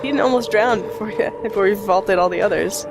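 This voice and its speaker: Female co-commentator, middle pitch, casual gameplay chat, game music audible behind. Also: fast talker.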